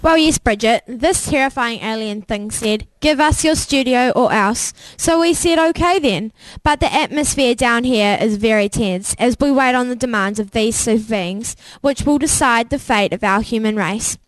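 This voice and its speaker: A nervous studio reporter, played by a New woman, passing on the news with jokey asides. Her voice is fairly high and sounds close and dry. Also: moderate pace, hardly any pauses, no room sound, natural voice, poor audio.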